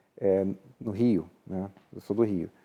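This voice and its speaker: The recording is dry and close, without any echo. The speaker is a man. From Brazil, Rio de Janeiro. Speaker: immigration lawyer. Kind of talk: podcast interview. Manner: halting, many repetitions.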